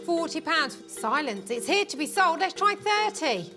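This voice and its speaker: A woman's voice: very high-pitched, very animated, unhurried, music in the background. A woman auctioneer calling a live auction, asking for bids in short repeated phrases.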